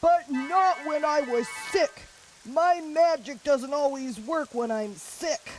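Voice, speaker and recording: A woman voicing a sick, fretful male wizard in a puppet show, speaking slowly and apologetically. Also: high voice, faint music behind, rough recording. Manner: slow, apologetic, earnest.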